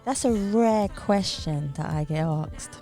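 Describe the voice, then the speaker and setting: A woman's voice: medium pitch, slow pace, mellow, faint music behind. A woman hosting a podcast, upbeat and effusive, thanking her guest often and asking long questions. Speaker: podcast host.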